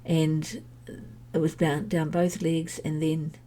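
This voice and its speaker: Low, husky woman with a head cold. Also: level tone, takes it slowly, mellow. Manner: candid, chatty, meandering. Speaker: podcast host sharing her health journey. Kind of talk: personal podcast monologue.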